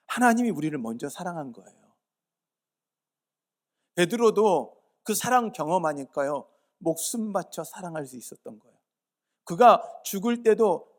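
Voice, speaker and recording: A pastor from Yeosu in South Korea, preaching a sermon at a church service. He earnestly urges the congregation and answers his own rhetorical questions. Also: on the high side. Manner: earnest, urging.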